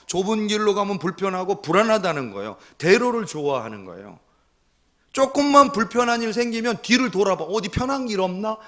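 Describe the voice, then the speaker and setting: A man's voice: fairly high pitch, a bit bright. A middle-aged man preaching a Sunday sermon as pastor, telling stories and acting out the voices he quotes. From South Korea.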